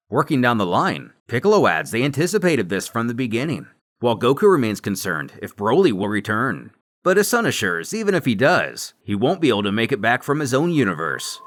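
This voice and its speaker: A man's voice: mid-range voice, fairly bright tone. A man delivering scripted story recap narration in a dramatic storytelling manner, with wry asides.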